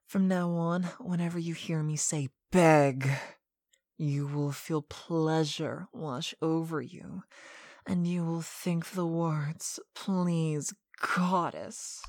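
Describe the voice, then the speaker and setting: Low-voiced woman doing a slow bossy hypnotist mistress thing, sweet but stern, drops into breathy whispers. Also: fairly even intonation, a little mellow, dry recording, clean studio sound. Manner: commanding, slow, deliberate, with breathy whispered phrases. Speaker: hypnosis performer playing a mistress. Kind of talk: scripted hypnotic roleplay monologue.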